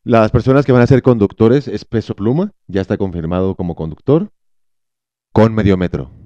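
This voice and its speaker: A Mexican man in his thirties playing a calm, businesslike reality-show producer in a deadpan phone prank. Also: on the low side, normal speed, dry recording, muffled recording, close to an everyday voice. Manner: deadpan, matter-of-fact. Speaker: prank caller. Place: small indoor podcast studio. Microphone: close studio microphone.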